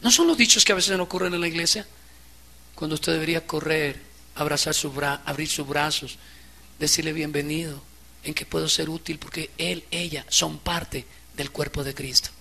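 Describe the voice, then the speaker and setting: A male pastor preaches with fervor, his fairly high voice carrying a gravelly edge. His tone is bright and sharp, and he swings from hushed, low asides to loud, impassioned peaks. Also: fairly even intonation, moderate pace. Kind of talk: sermon.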